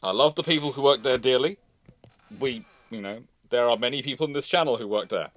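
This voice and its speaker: A British man hosting a live question-and-answer talk, explaining things with halting restarts and emphatic repetition. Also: mid-range voice. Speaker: host answering audience questions. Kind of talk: live Q&A, explanatory commentary on naval matters.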